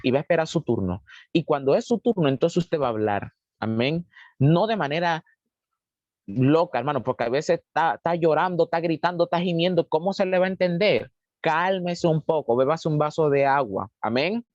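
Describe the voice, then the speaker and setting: A man's voice: a little high, normal speed, a little mellow, no room sound. A man leading a Bible study over a video call, preaching with frequent amens and calls of brother. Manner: preachy, punctuates with amen and brother. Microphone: video call mic. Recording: dull, dry video call audio.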